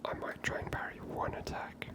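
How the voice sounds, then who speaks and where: Male ASMR gaming host: soft unvoiced whisper, musing, unhurried commentary.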